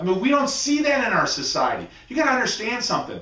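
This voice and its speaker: Audible room echo and noticeable background noise fill the recording. Through them a man talks with lively intonation. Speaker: chiropractor and life coach. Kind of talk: webinar talk. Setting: live webinar. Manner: fast; animated.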